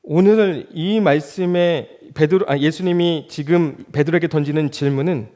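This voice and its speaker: A man in his thirties, a junior pastor, preaching a sermon in church and asking the congregation rhetorical questions as his loudness rises and falls. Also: fairly high pitch, normal speed.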